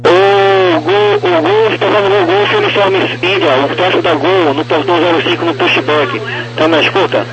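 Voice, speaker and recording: Gravelly man over a two-way radio. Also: high voice, expressive, moderate pace. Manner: clipped, procedural radio calls. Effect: heard over a two-way radio. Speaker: airport radio controller. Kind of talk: terse radio phraseology. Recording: dull lo-fi radio with static.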